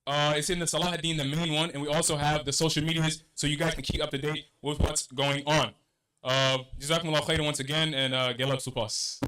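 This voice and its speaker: A man's voice: a little high, flat delivery, brisk, sharp tone, rough recording. A man from Senegal giving a motivational religious address as a mosque youth director, earnest and repeating key phrases for emphasis. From Senegal, West Africa.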